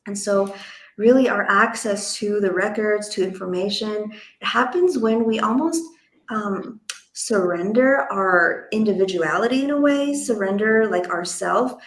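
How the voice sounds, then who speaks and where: In a roomy, echoing recording, a woman with a medium-pitched voice hosts a spiritual conversation. She talks casually and gushingly, leaning on "like" and "you know" as she goes. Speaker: interview host.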